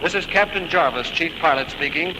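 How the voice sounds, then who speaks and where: An actor playing a calm, official airline captain making a measured announcement in a 1950s radio drama. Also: male voice, on the high side, natural voice. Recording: hiss of an old radio broadcast.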